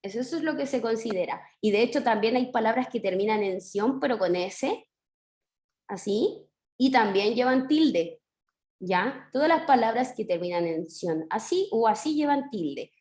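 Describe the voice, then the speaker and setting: A Chilean woman teaching children over a video call, patient and encouraging, stretching out key syllables when she explains. Her voice sits a little high for a woman. The sound is roomy and echoey, as call audio often is. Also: lively intonation, moderate pace, a little mellow. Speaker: primary school teacher. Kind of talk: online class teaching.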